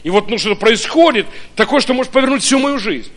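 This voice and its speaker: A pastor from Ukraine preaching a sermon, telling his own story in an animated way with many hesitant fillers. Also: very high-pitched, quick pace. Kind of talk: sermon with personal testimony.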